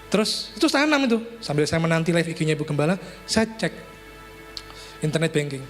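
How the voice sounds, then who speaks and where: A man's voice: on the high side, fast, soft background music. A middle-aged man preaching a sermon, telling stories and often calling out to the congregation. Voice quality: lively storytelling, addresses congregation as brother. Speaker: pastor.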